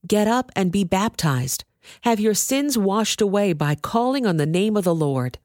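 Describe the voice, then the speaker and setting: A woman's voice: mid-range voice, expressive, moderate pace, darkish tone, dry recording, clean studio sound, pitched above the performer's own voice, close to an everyday voice. A woman reading a devout man urging action. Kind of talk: scripture reading.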